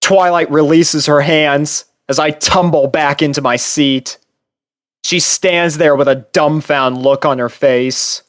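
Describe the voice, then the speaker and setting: A man reading fan fiction as a first-person narrator, expressive and theatrical. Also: on the high side, slow pace, no room sound, clean studio sound.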